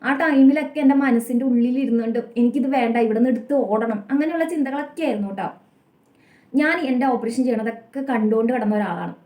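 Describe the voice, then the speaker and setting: A woman's voice: on the high side, mellow. A young woman with a Malayali accent telling a personal story to camera in an earnest, confessional way. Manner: earnest, rapid confessional telling with frequent tag "kettō". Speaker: vlogger. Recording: echoey room.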